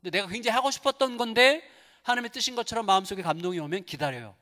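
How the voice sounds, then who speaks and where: Male pastor, sermon, animated storytelling, acts out dialogue, church sanctuary, long reverb. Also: sits high, very fast.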